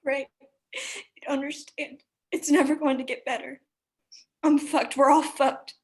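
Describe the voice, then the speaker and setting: A woman's voice: sits high, little pitch movement, measured pace. A woman acting a desperate, frightened but defiant young woman at a screenplay table read, with earnest emotion. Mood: distraught, pleading.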